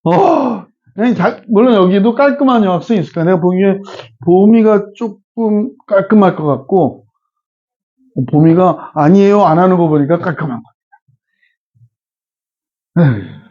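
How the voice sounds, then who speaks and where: A man's voice: high voice, moderate pace, long pauses, dull audio. A middle-aged man teaching math in a classroom lecture, chatty and often checking in with his students. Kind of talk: classroom lecture with casual digressions.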